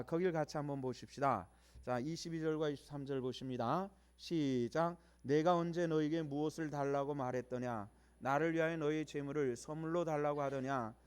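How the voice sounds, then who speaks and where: An older man, a retired pastor, preaching a sermon with dramatic swings and acted-out angry quotes. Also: fairly high pitch.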